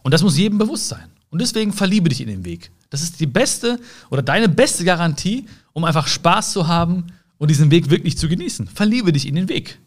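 A man hosting a podcast, giving a gentle, encouraging self-help monologue straight to the listener and often tagging his sentences with a questioning "ja?". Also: fairly high pitch, sing-song, brisk. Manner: tags sentences with "ja?" and "ne?". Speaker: podcast host.

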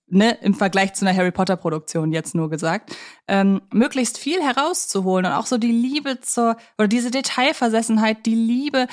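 A woman co-hosts a podcast, discussing films casually in a chatty, appreciative way. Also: on the high side. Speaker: podcast co-host.

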